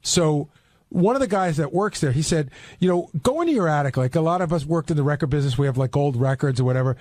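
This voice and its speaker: A man's voice: on the high side, lively intonation, quick pace, darkish tone, no echo. A man on a radio panel chatting casually and emphatically, as a member of the show's staff. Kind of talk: casual unscripted panel chat.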